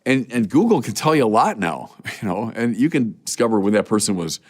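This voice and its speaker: Man, bishop, sermon, emphatic rhetorical delivery, animated pitch, middle-aged. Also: a little fast. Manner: emphatic, rhetorical preaching with repetitions.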